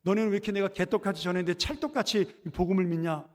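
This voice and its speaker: A man preaching and voicing an angry, resentful male prophet who shouts back indignantly. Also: high-pitched, animated, very fast. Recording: long church reverb.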